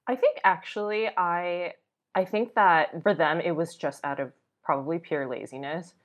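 Woman, low pitch, American accent, casual podcast guest, conversational, personal anecdotes. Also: moderate pace, highs cut off. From Boston, United States. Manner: conversational, often uses "like", acts out quoted remarks. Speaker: podcast guest, travel blogger. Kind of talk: casual personal storytelling in interview.

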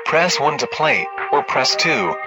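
A man's voice: on the high side, big pitch swings, measured pace, over loud music. A man voicing an automated phone menu, reading prompts evenly and politely.

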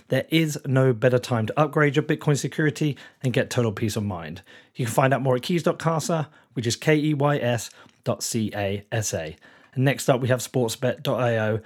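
A male podcast host with an English accent speaks in a croaky, husky voice, as if it is nearly gone. His delivery is informal and addressed straight to the listener, suited to show intros and sponsor reads. The hoarseness roughens his words throughout. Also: mid-range voice. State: losing his voice.

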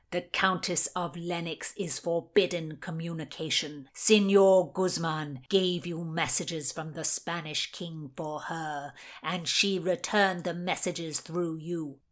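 A woman voicing a stern, commanding nobleman who interrogates a prisoner in a cold, slow, imperious manner. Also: fairly high pitch, a bit bright, pitched below the performer's own voice.

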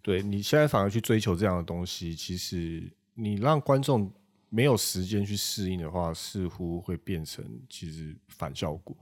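A man's voice: sits low, normal speed, dry recording. A man with a Taiwanese accent chatting casually as a podcast co-host. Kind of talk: casual chat.

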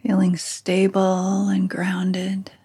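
A woman guides a meditation very slowly, leaving long pauses between gentle instructions. Her voice is soft-edged and mellow, with a breathy, husky grain. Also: medium pitch, completely flat delivery. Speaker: meditation teacher.

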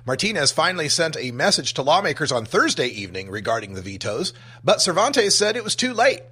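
A man's voice: a little high, very animated, a little fast, sharp tone, slightly rough. A man hosting a talk radio show, reading scripted intros and headlines in a punchy announcer's delivery. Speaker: radio talk show host and news reader.

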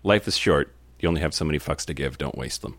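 A man's voice: very deep voice, expressive, fast talker, a bit bright, dry recording. A man co-hosting a casual podcast chat, eager and upbeat, blunt in his jokes. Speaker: podcast co-host.

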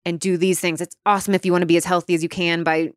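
A woman hosts a casual podcast interview and talks reflectively in a chatty way, laughing often. Her voice sits on the low side and sounds smooth. The recording is close and dry. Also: flat delivery, very fast, no room sound. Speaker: podcast host.

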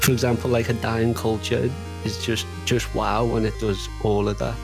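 A man's voice: on the low side, little pitch movement, normal speed, vocal fry, music in the background. A man hosting an interview podcast, casual and enthusiastic, heaping praise on his guest. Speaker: podcast host.

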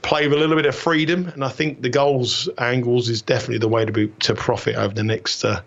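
A man, hoarse and croaky from a cold, giving soccer betting analysis as a guest with many fillers and restarts. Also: medium pitch, steady tone, quick pace, fairly bright tone. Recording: dull lo-fi remote line.

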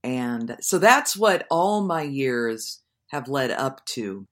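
A woman performer guest with a morning voice, chatting in an animated, playful way. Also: rumbling low, slow pace. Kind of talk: casual interview chat.

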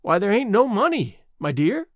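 A man voicing a gentle old mountain widow. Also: high-pitched, very animated, normal speed, no echo, studio quality, voice pushed up. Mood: plaintive. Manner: rural dialect, homely grammar; apologetic, wistful.

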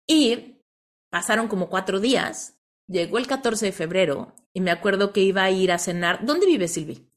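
A woman with a Mexican accent hosting a motivational coaching talk, telling stories in an animated way and often ending lines with a questioning tag. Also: medium pitch, normal speed. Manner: animated storyteller, tags lines with "¿no?". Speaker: host.

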